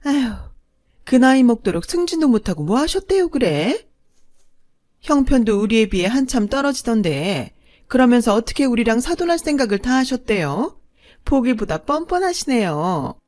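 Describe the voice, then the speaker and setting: A woman's voice: fairly high pitch, very animated, moderate pace, a little mellow, voice pushed up. A woman voicing a scornful middle-aged mistress who talks down to everyone in a condescending, sneering way.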